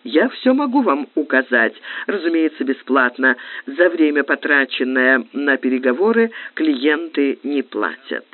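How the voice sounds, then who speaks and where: A man voicing a thin, timid middle-aged hotel guide who speaks softly and deferentially. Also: medium pitch, big pitch swings, unhurried, hardly any pauses. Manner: soft-spoken, deferential. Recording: tinny phone-like lo-fi recording.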